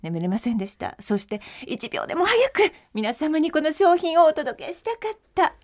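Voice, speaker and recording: A woman acts out an earnest home-shopping presenter. The voice is very high, with emphatic, humble customer-service politeness, hyping the goods in a TV sales parody. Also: sing-song, normal speed. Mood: earnest hype.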